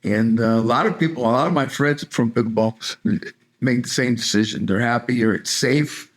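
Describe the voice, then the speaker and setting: An older man from California speaking in a relaxed, chatty way. He tells everyday stories with easy humor, laughing along now and then. His pitch sits in an ordinary middle range. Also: moderate pace. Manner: easygoing, chatty, laughs while telling stories. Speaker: interviewee, retiree in Mexico. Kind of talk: casual interview chat.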